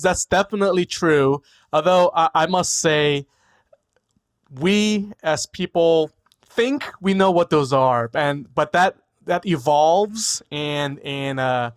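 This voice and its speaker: A man in his forties from New York, a guest physician whose first language was Korean. He talks in a casual, thoughtful way, repeats words and often tags on "right?", speaking over a video call from a room at home. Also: a little high. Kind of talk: casual interview talk.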